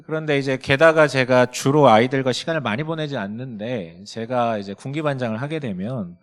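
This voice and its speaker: A man's voice: mid-range voice, brisk. A man in his thirties, a pastor preaching a sermon, telling a story about his son and acting out their dialogue. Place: church sanctuary.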